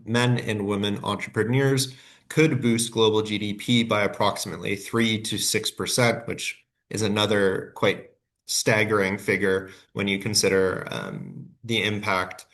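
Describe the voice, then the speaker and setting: A man's voice: fairly low pitch, fairly bright tone. A man with a head cold and a nasal voice, giving a scripted workshop presentation with frequent fillers and self-corrections.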